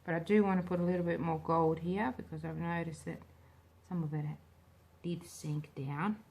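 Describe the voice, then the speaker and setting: A woman with a slight smoker's rasp hosting a casual hands-on craft tutorial, thinking aloud informally as she works. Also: fairly low pitch, fairly even intonation, moderate pace, darkish tone, slight background noise. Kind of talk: casual hands-on demo chat.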